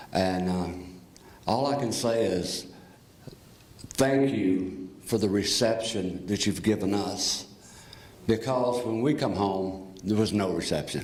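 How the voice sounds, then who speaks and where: A man's fairly low voice at a very slow pace, with ordinary pitch variation, long, frequent pauses and audible room echo. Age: 60s. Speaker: Vietnam War veteran. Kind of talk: speech to event audience.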